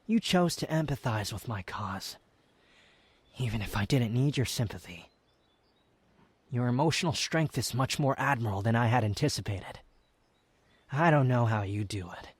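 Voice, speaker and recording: A man's voice: mid-range voice, dry recording. A man playing a proud, sardonic young wanderer, a guarded yet tender lover, in an intimate romantic ASMR roleplay with a teasing, haughty, dramatic delivery. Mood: grudgingly affectionate.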